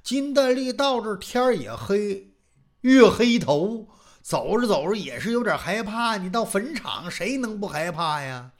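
Male traditional storyteller; animated and dramatic, lively high voice. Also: a little slow. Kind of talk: traditional Chinese oral storytelling.

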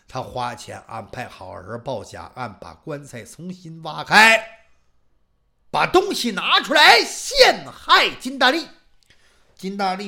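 Male traditional storyteller; animated and dramatic, lively high voice. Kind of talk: traditional Chinese oral storytelling.

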